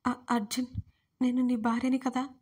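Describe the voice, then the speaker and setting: A woman's voice: fairly high pitch, flat delivery, moderate pace, husky. A woman voicing a faint, dying young wife. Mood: faint, tender. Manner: soft, faltering, breaking off.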